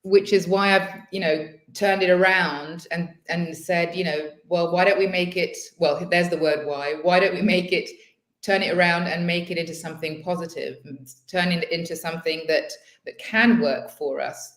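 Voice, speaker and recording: A Swiss woman in her fifties with a British-schooled English accent appears as a guest in a casual podcast conversation, speaking hesitantly and reflectively with many restarts. Her fairly low voice holds a steady tone at a moderate pace, a bit bright, in a reverberant space.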